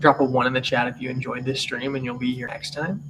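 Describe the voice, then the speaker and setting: Over noticeable background noise, a man at medium pitch talks at a fairly quick pace. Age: 20s. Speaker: spiritual content creator. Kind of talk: live stream chat answering comments. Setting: live stream. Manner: casual, filler-heavy (like, um).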